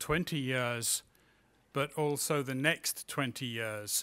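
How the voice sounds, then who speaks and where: In a very clean recording with a silent background, a man speaks at a fairly slow pace in a plain, everyday voice with ordinary pitch variation. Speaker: public health physician, conference speaker. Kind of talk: lecture. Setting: stage with audience.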